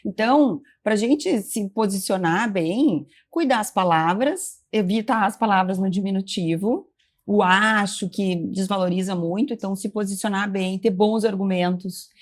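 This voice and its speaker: A woman speaks as a guest expert, her voice in a middle pitch. She lays out her points in an assured, instructive manner, telling listeners what to do. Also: normal speed. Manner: assured, instructive, advice-giving. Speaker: communication trainer, guest. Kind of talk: expert explaining on a talk show.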